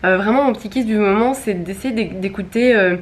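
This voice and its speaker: A woman's voice: medium pitch, a little fast. Chatty young woman vlogging at home. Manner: chatty, many fillers and restarts. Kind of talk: casual vlog chat.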